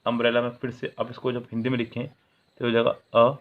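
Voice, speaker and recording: A man's voice: medium pitch, monotone, fairly quick. A man explaining English grammar in Hindi as a teacher, reading example sentences aloud and asking questions that he then answers himself. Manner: asks the viewer questions and answers them himself. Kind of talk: classroom-style video lesson. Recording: tinny, phone-like sound.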